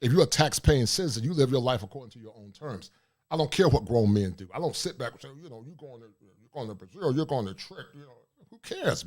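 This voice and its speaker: A middle-aged man with a deep voice, hosting a livestream talk show, speaking forcefully and reading shout-outs from the chat. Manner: forceful, preachy, reads chat aloud. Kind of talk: casual livestream monologue.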